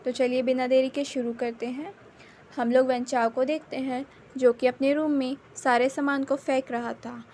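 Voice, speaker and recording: High-voiced woman narrating a story. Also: level tone, moderate pace, a little mellow, slight background noise. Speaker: fan fiction narrator. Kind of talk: narrating her own fan fiction.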